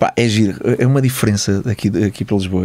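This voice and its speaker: At a fairly quick pace, the speech carries a dark, mellow tone. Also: man. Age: 40s. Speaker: actor and TV presenter; podcast guest. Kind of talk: casual chat. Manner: halting. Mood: relaxed, reflective. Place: studio. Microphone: studio mic.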